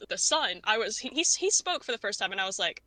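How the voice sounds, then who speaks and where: A woman talks as a podcast guest in easy, casual conversation, often slipping into quoted asides. Her voice is bright and sits at a middling pitch. The close mic gives a dry sound with little room in it. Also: quick pace, no echo. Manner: chatty, animated retelling with frequent quoted asides. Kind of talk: casual conversation about films.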